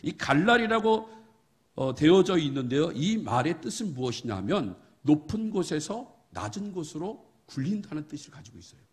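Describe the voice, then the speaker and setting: A middle-aged male pastor preaching a sermon, telling folksy stories, acting out bits of dialogue and building to emphatic, forceful points. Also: on the high side, sing-song, moderate pace.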